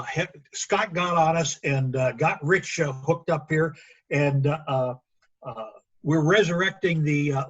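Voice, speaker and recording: A man with a somewhat high-pitched, husky voice talks casually in a club meeting. His delivery is halting and rambling, and the audio is dull and lo-fi. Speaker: radio club member.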